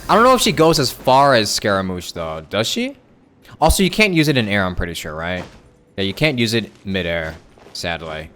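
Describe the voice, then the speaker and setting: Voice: deep voice, big pitch swings, normal speed, fairly bright tone. A game streamer chatting casually, musing aloud and reacting to the game. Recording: faint game music behind.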